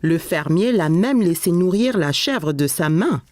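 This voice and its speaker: A woman playing a gentle storyteller who narrates a children's cartoon in scripted storybook style. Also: fairly low pitch, animated, unhurried, dry recording. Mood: storytelling. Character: gentle storyteller narrating a small boy's day.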